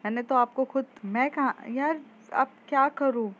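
A woman voicing a gentle, placating middle-aged father. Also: high voice, moderate pace, voice pushed up. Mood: defensive. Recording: muffled lo-fi with faint noise.

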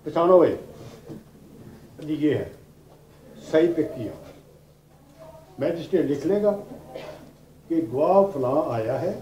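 A man's voice: on the high side, mellow. An older man with a Pakistani accent giving a classroom law lecture, explaining step by step with repetition and English legal terms. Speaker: law lecturer, retired judge. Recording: roomy, dull classroom recording with background noise.

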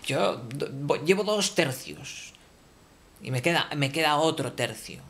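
A cranky, ancient man who has lived far too long, played by a man in a comedy sketch. His voice is gravelly and a touch high. He stumbles over his words in weary exasperation. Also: expressive, a bit bright. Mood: fed up. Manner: improvised, halting, exasperated. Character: grumpy ancient man fed up with living.

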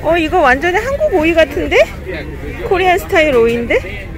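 A woman's voice: very high-pitched, big pitch swings, brisk. Middle-aged woman vlogging at a busy market. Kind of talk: casual vlog narration and chat. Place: outdoor street market in a parking lot. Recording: outdoor crowd chatter and music behind.

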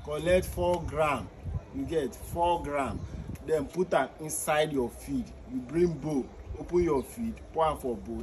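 A man's voice: fairly high pitch, mellow, poor audio. A man in his thirties with a Nigerian Pidgin English accent, a fish farmer explaining the steps outdoors beside his fish tanks and repeating the key points. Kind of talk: outdoor farming tutorial. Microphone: phone camera at a short distance. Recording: outdoor phone video with noticeable ambient noise.

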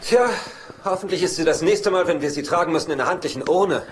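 An actor playing a wry, teasing bachelor brother in a German-dubbed TV sitcom. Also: male voice, on the high side, quick pace, lightly acted. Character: mocking, laid-back bachelor brother. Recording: very noisy TV soundtrack with laughter.

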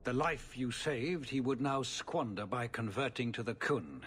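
An actor playing a dignified, worried older nobleman and father in a video game, speaking formally and gravely, with a pleading manner. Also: mid-range voice, unhurried, fairly bright tone, a little hiss or hum, lightly acted.

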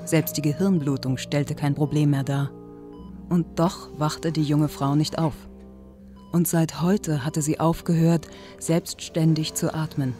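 Male narrator, scripted audio drama, mellow timbre, music behind. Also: fairly high pitch, fairly even intonation, measured pace.

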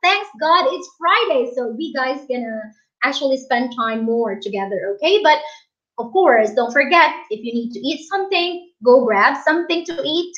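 A young Filipina English teacher hosting a casual live stream from a small room, chatting with viewers and reading their comments aloud. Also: female voice, sits high, lively intonation, moderate pace, fairly bright tone, dull audio. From Philippines.

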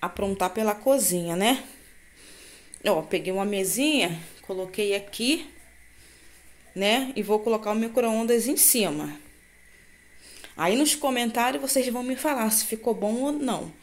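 A woman's voice: fairly high pitch, unhurried, pauses often. A woman with a Brazilian Portuguese accent narrating a casual home vlog, chatting familiarly to viewers and often seeking their agreement. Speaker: home vlogger. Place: at home, in kitchen and yard. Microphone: handheld phone. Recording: noisy handheld home recording.

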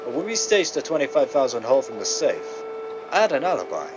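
A man's voice: medium pitch, very animated, fairly quick, lightly acted. An actor playing a wary, grudging crooked businessman with sceptical, clipped tough talk in a 1930s radio drama. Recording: muffled, noisy old-radio sound.

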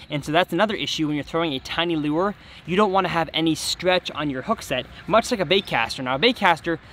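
A man's voice: fairly high pitch, a bit bright. A man in his twenties giving casual, enthusiastic instruction to camera as host of an outdoor fishing channel. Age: 20s. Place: outdoors on a bass boat by a reedy shore.

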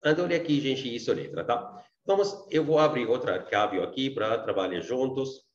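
A man with an Arabic accent teaches an online beginners' class at an even, middle pitch. He repeats phrases and keeps checking in with his students. The sound is dull and a little roomy. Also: normal speed. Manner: repeats himself, checks in often with tá and gente. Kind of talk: online language lesson.

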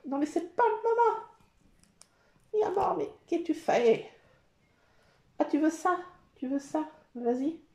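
A high-voiced woman chats away over a craft project, cooing and baby-talking to her cats and playfully grumbling at herself. The recording sounds echoey, like a bare room at home. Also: warm tone. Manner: playful, bickers with herself in a mock-annoyed voice. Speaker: crafting vlogger. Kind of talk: casual chat while making a collage.

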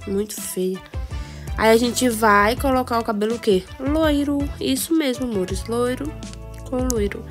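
A woman with a Brazilian accent and a cold, hoarse, chatting casually to viewers through a game walkthrough. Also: fairly high pitch. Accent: Brazilian Portuguese. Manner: chatty, addresses viewers as "amores". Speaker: gameplay video host.

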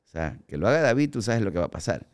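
A man in his forties with an Ecuadorian accent, a guest actor telling animated stories in a podcast studio on a boom mic. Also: fast talker. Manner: animated storyteller acting out quoted remarks. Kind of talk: casual podcast storytelling. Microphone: studio mic on boom arm, headphones.

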